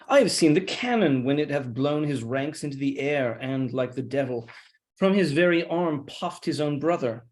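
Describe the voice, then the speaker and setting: A scheming, hard-bitten soldier in a Shakespeare play, read aloud by an amateur player. The pitch is middling and the phrasing pointed and deliberate. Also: a little mellow, natural voice.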